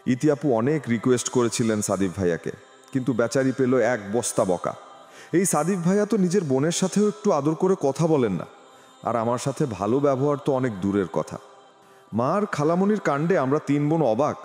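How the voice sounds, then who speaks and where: Expressive male storybook narrator. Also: medium pitch, a little fast. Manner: expressive first-person telling. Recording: reverberant with music behind.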